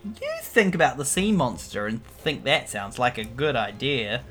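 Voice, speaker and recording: A woman's voice: extremely low pitch, very animated, normal speed, a bit bright, soft background music. A woman hosting a comedy podcast, reading a children's book aloud and bantering in a playful, self-deprecating way.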